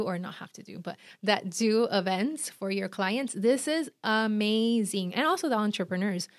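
A woman in her thirties with a Puerto Rican accent talks through venue hunting, lively and direct, tossing in quick asides. Her voice sits at an ordinary middle pitch. The sound is dry and close, with no room around it. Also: no echo. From Puerto Rico. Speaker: event planner and podcast host. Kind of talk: instructional talk.

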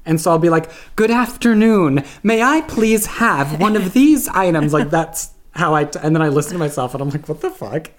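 A man's voice: on the high side, expressive, normal speed, hardly any pauses. A young man from Canada telling stories in casual podcast chat, peppering his speech with "like". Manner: chatty storyteller, constant "like". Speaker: podcast guest.

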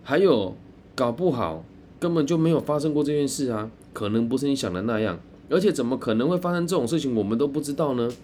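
A man's voice: mid-range voice, animated, fast, a little mellow, a little hiss or hum, pitched above the performer's own voice, close to an everyday voice. A man with a Taiwanese accent voicing a persuasive male friend who coaxes and insists. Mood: insistent. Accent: Taiwanese Mandarin. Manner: coaxing, insistent.

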